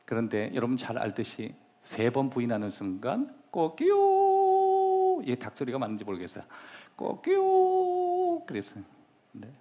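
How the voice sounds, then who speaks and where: Animated man preaching a sermon. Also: on the low side, quick pace. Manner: animated preaching, acts out scenes, shifts to soft whispers. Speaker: pastor. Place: church sanctuary.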